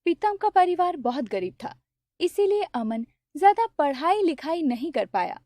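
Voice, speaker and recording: A woman narrating a cartoon story with a steady, even storytelling delivery. Her voice is on the higher side for a woman. It is recorded very dry and close, with no room sound at all. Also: normal speed, no echo. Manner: steady, plain telling.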